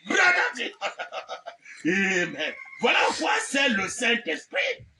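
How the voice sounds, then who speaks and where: A man's voice: very high-pitched, wildly swooping pitch, takes it slowly. Man preacher, fiery sermon with constant amens; mic set far off, light hiss behind. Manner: fervent, shouting, punctuates with repeated amens. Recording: distant mic with faint background noise.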